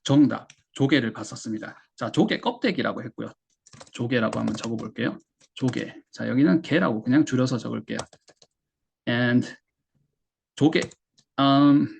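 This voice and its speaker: Korean guy teaching english sounds, gravelly husky voice, keeps asking then answering himself, says the english words over and over. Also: medium pitch. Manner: explains step by step, asks and answers his own questions; demonstrates English words by repeating them. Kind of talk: online English pronunciation lesson.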